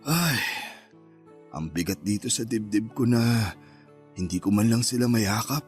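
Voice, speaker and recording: An actor playing a remorseful middle-aged father, just out of prison, speaking quietly and wistfully in a radio drama. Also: on the low side, lively intonation, measured pace, faint music behind. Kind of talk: Tagalog radio drama acting, in-character narration.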